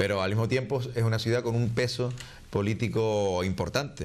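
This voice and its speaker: In a room with audible echo, a man speaks at a fairly quick pace with fairly low pitch and fairly even intonation. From Canary Islands, Las Palmas de Gran Canaria. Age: 40s. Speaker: mayor, politician. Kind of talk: interview.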